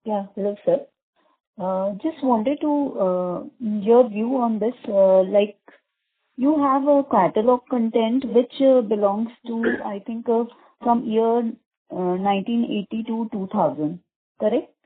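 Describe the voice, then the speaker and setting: A woman calls in with a question on a conference call. Her voice is fairly high and husky, her phrasing hesitant, and the line sounds thin like a telephone. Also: a little slow. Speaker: caller asking questions. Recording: narrow phone-like line.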